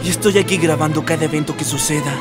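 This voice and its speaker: A man's voice: a little high, steady tone, quick pace, loud music behind the voice, natural voice. A man with a Latin American accent playing a young, sarcastic, exasperated comedy vlogger in an exaggerated, theatrical way. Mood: dramatic. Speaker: fan dubber voicing a vlogger. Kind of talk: comedic vlog fandub.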